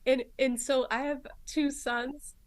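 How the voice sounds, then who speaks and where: A woman's voice: high-pitched, level tone, takes it slowly. Woman, forties, mild Boston accent, guest telling anecdotes, chatty, frequent laughter. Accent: Boston, softened by years in Arkansas. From Massachusetts, Boston area. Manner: chatty, laughs often, many restarts. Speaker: guest, nurse practitioner. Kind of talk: casual storytelling chat.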